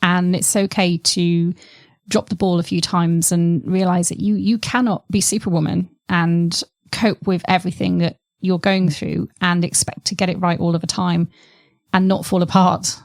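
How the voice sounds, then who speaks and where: A woman's voice: lowish voice, little pitch movement, normal speed, gravelly, dry recording, studio quality. A woman in a casual podcast conversation, speaking candidly and reflectively, with self-mocking laughter.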